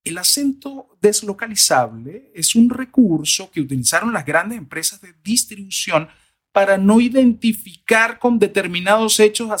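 A man answering interview questions on diction and accents in a lively, rambling way. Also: high-pitched. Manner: animated, discursive, frequent "o sea" asides. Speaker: guest, voice and diction expert. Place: lives in the United States.

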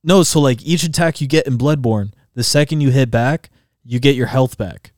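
A man in his twenties co-hosting a relaxed podcast, spinning excited stories and acting out sounds with his voice. His pitch sits in the middle range, and he fills his talk with "like" and "bro." The room is dead and dry. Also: normal speed, dry recording. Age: 20s. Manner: animated storyteller, acts out game sounds, heavy filler "like" and "bro". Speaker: podcast co-host. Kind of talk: casual chat.

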